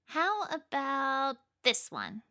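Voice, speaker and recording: A woman's voice: high-pitched, huge pitch swings, extremely slow, bright, forceful tone, heavily acted. A woman playing a curious, teasing young female cartoon pony roommate in a fan fiction audio reading. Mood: curious, sweet. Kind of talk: fan fiction character acting.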